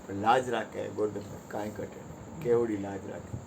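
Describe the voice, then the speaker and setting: A man's voice: fairly low pitch, little pitch movement, moderate pace, vocal fry, noisy background. A man giving a devotional satsang talk in a folksy, conversational way, joking with his listeners. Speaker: satsang speaker.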